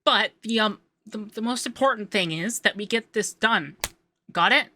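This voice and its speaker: Bright, flustered young femboy tax man, acted by a man. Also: high-pitched, normal speed, slight background noise. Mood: flustered, businesslike. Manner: stammering, shy, teasing. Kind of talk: ASMR roleplay, acted straight to the listener.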